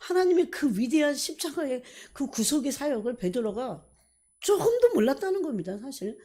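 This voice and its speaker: A woman pastor preaching a sermon in an animated way, often asking the congregation questions. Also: sits high, normal speed.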